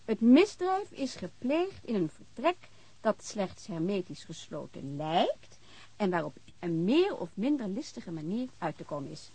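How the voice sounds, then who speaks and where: An actress playing a lively, eager lover of detective novels in a radio drama, chatty and excitable. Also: female voice, mid-range voice, unhurried, slight background noise. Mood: eager, explaining. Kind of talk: naturalistic Dutch radio drama acting.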